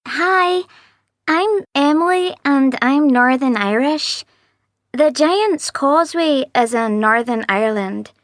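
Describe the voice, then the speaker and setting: A woman reading scripted textbook lines slowly and clearly. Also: sits high, lively intonation, no room sound, studio quality.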